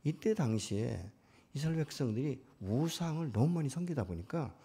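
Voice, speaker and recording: A male pastor preaching a sermon at a prayer meeting, rising to loud emphatic peaks and dropping to quiet asides, often asking the congregation questions. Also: medium pitch, lively intonation, moderate pace, slightly rough.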